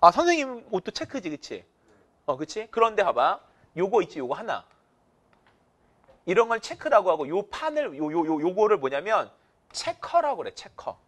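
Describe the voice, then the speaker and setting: With a high voice at an ordinary pace, this male English teacher runs an energetic vocabulary lecture. He counts the class in and drills them using call-and-response prompts.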